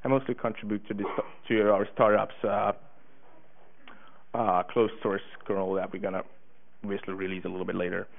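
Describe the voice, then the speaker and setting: A man's voice: fairly low pitch, level tone, brisk, gravelly. An eighteen-year-old man from Hungary giving a conference talk, eager, with many fillers and restarts. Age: teens. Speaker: conference speaker. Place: conference room. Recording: tinny phone-like conference recording.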